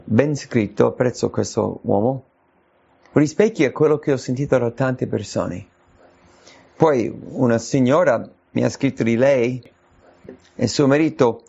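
A man preaching an informal sermon, answering viewers' letters, slow and earnest, stretching out his emphasis on scripture. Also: fairly high pitch, vocal fry, a little mellow. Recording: dull lo-fi recording.

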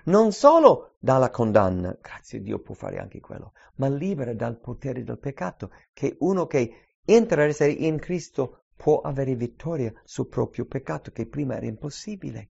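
Man, preacher, emphatic sermon, gravelly, dull lo-fi recording. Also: medium pitch, very animated, a little mellow. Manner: emphatic, rising and falling delivery, slows on key phrases. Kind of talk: sermon with Bible reading.

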